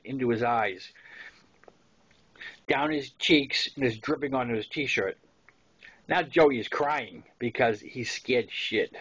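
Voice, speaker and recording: Male narrator, 60s, Boston accent, conversational memoir read, average pitch, muffled lo-fi recording. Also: a bit bright. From Massachusetts, US. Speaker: author reading his own novel. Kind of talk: narrated memoir reading with casual asides.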